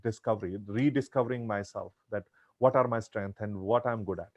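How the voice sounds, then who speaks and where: A man's voice: fairly low pitch, a little fast, no room sound. Man, earnest advice-giver on a video call, dry close sound. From India. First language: Punjabi. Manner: earnest, advising, with frequent restarts. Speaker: guest speaker. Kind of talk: virtual Q&A chat.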